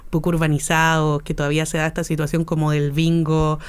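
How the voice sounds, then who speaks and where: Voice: medium pitch, flat delivery, fairly quick, clean tone. A host with a Chilean accent, chatting with a film director in an easygoing interview. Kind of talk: interview conversation.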